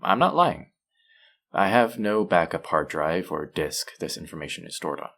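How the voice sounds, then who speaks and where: A man playing a suave, manipulative supervillain in an intimate audio roleplay, measured and teasing, softly menacing yet tender toward his captive. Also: expressive, heavily acted. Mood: scornful, earnest. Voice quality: low, creaky voice.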